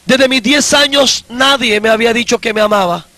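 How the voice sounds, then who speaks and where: A man in his forties with a very high, bright voice preaches his personal testimony as an evangelist. He talks slowly and with emphasis, going back over his own phrases. The sound is dry and close. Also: no room sound.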